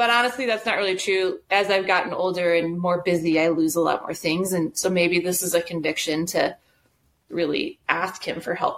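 Fairly even intonation marks this woman's speech at a moderate pace. Her pitch is fairly low. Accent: Michigan. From Michigan.

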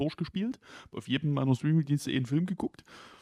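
A man with an eastern German accent talks at a very fast pace, using ordinary pitch variation. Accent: regional eastern German. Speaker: podcast co-host. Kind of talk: casual chat. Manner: matter-of-fact, to the point.

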